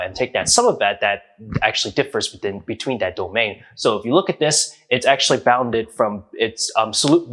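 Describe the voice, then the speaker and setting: A man's voice: lowish voice, a bit bright. A man explaining a math problem step by step in a casual, hesitant way, with many ums and restarts. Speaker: math tutor.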